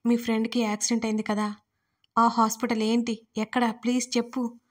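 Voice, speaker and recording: A woman voicing a desperate, tearful young woman in a storybook reading, pleading in a fairly high, flat-toned voice. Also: brisk, lightly acted. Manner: pleading, sobbing delivery.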